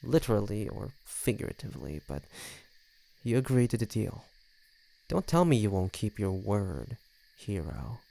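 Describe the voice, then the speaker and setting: Man voicing a smug, creaky low-voiced flirty vampire. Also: warm tone, poor audio. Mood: smug, insistent. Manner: teasing, smug, sardonic. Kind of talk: scripted audio roleplay addressed to the listener.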